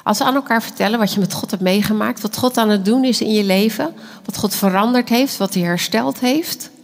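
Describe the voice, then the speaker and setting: A woman preaching a sermon with earnest, animated delivery and the odd hushed aside. Her voice sits at an ordinary middle pitch. The sound carries a long echo, as if recorded in a large hall. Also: brisk, creaky. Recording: echoey hall.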